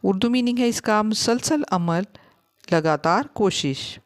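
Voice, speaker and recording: A woman teaching English vocabulary, repeating each word slowly for learners. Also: mid-range voice, lively intonation. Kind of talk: vocabulary lesson.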